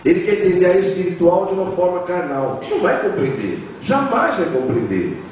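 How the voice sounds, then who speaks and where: A man's voice: high voice, big pitch swings, a little fast, darkish tone, a little hiss or hum. A man pastor preaching a sermon with a Brazilian Portuguese accent, often acting out biblical figures. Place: church hall. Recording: echoey church hall, far mic, dull.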